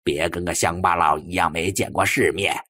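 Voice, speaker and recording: A man voicing an irritable talking black cat that scolds loudly and punctuates its speech with meows. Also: sits low, fairly even intonation, moderate pace, no room sound, voice pushed down. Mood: irritable, scolding.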